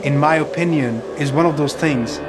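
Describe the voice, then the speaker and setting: Deliberate man explaining over guitar music. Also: a little high. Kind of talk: documentary interview testimony.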